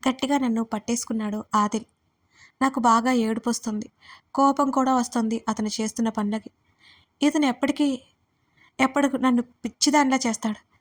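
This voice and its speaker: A woman narrating a first-person romance story for an audiobook, in an expressive, dramatic way. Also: on the high side.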